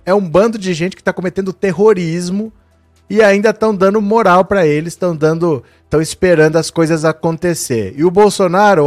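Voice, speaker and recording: Middle-aged male live-stream host, indignant, direct to viewers, higher-pitched voice, dry close sound. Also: no room sound. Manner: indignant, talks straight to viewers. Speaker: live-stream political commentator. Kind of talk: casual live-stream commentary.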